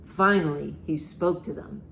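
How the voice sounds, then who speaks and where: A children's librarian hosts a storytime, reading aloud with animation and asking young listeners simple questions. Her voice sits low with vocal fry and a measured pace, and there's slight background noise.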